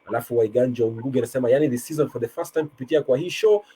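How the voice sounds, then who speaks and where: A man's voice: mid-range voice, rapid-fire, mellow, a little hiss or hum. A man with a Kenyan accent hosting a football talk show in a conversational style, switching between two languages. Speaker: sports show host. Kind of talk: conversational football talk show presenting, mixing Swahili and English.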